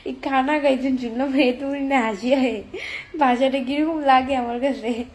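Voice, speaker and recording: A woman's voice: sits high, steady tone, normal speed, darkish tone. A teenage girl with a Chandpur Bengali accent chatting on a live stream, reading viewer comments aloud and answering them on her phone. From Bangladesh. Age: teens.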